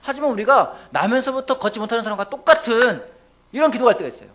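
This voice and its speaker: Animated high-voiced male pastor. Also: fast talker. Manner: animated, swings between loud exclamations and near whispers. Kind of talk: sermon. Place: church sanctuary.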